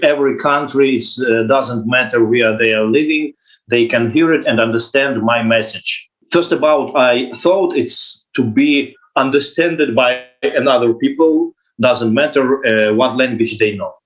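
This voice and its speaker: A man from Ukraine, not a native English speaker, talking haltingly as a guest musician in a casual interview, pausing often to find his words. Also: medium pitch, muffled recording. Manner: halting, searching for English words with many fillers.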